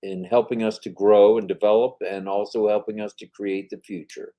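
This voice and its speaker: A man's voice: on the low side, level tone, normal speed, dark tone. An older man co-hosting a casual live-stream chat, reading viewer comments aloud in an upbeat, chatty way.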